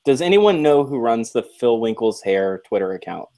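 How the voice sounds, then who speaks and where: A man of middle pitch talks on a casual live podcast. He speaks earnestly and reflectively, then drops teasing asides to the others. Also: big pitch swings, normal speed, dark tone.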